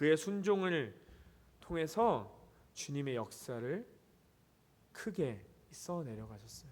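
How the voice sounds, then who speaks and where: This man's voice sits fairly high. His pitch swings very widely. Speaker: pastor. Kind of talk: sermon.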